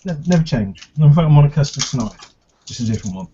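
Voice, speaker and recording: A man's voice: medium pitch, expressive, quick pace, background noise. A man co-hosting a casual chat show, chatty and bantering. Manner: chatty, banters and does impressions. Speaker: co-host. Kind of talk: casual chat reviewing vape juice. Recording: muffled lo-fi recording.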